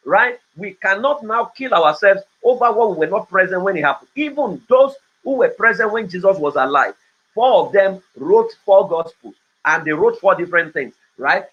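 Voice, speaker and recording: A man's voice: high-pitched, sharp tone, breathy edge. A man, host of a podcast, giving a motivational talk in a preachy way, often adding "right?". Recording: dull lo-fi recording.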